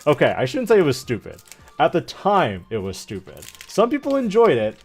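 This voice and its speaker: A man in his thirties talks in an animated, rambling, jokey way, like a streamer casually chatting to his viewers. His pitch jumps around freely. Music plays faintly behind him. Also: normal speed, husky. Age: 30s. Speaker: streamer opening trading card packs. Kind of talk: casual livestream chat.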